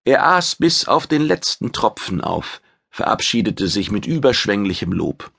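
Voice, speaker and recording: A man narrating a science fiction audiobook in a measured, even storytelling manner. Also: fairly low pitch, gravelly, breathy edge.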